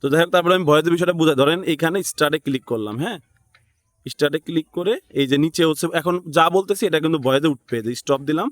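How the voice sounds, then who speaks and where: A man's voice: on the high side, very fast, no echo. A man with a Bangladeshi accent teaching an informal step-by-step screen tutorial, thinking aloud and checking in with listeners. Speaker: tutorial instructor.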